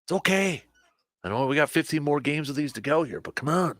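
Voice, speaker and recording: A man hosting a casual sports talk show, a little hoarse, animated, often repeating and restarting his words. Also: on the high side, fairly quick, no echo, studio quality. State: slightly hoarse, losing his voice.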